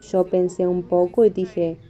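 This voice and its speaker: Dark-voiced woman giving earnest testimony. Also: on the low side, level tone, measured pace. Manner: earnest, emphatic retelling. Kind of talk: testimony narration. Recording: dull lo-fi audio with faint music.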